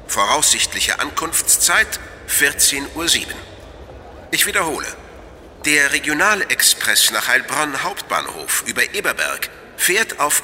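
A man playing a formal, measured German railway station announcer making scripted platform announcements. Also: medium pitch, pushed and bright, a little hiss or hum, full character voice. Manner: formal, clearly scripted, repeating details. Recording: long hall reverb.

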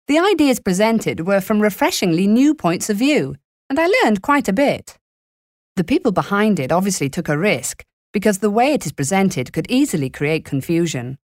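A woman playing a thoughtful reviewer in a scripted monologue, giving her opinion in a measured way. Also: fairly low pitch, dry recording, clean studio sound. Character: thoughtful woman reviewing a documentary she watched. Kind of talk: scripted monologue for a listening exercise.

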